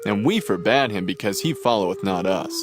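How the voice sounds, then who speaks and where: A man's voice: lowish voice, lively intonation, brisk, natural voice. A man playing an earnest disciple addressing his master formally in a dramatized scripture reading. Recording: music behind the voice. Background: music.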